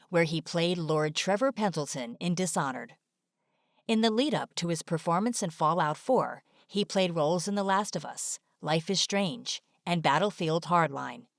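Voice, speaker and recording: Lively, polished female narrator. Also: fairly low pitch, no echo, studio quality. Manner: polished, presentational. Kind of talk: scripted video essay narration.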